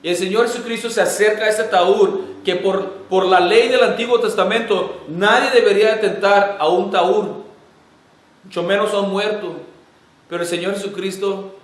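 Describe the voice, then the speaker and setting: Man, pastor, earnest emotional sermon, fairly high voice, echoey church. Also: fairly even intonation, moderate pace. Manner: earnest, emotional preaching with rising emphasis. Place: church sanctuary.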